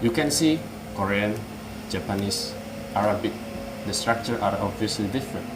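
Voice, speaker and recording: Young Indonesian-accented male teacher, lowish voice, patient explainer; echoey outdoor take with music under. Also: normal speed, noisy background. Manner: patient, explanatory, asks and answers his own questions. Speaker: English teacher. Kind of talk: explaining in a casual interview. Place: outdoor patio with trees. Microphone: studio mic on a stand.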